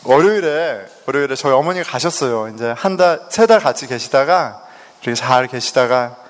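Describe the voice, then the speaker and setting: A man's voice: mid-range voice, brisk. A middle-aged man from South Korea telling a personal testimony, laughing often as he talks. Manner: animated storytelling, laughing often. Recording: long hall reverb.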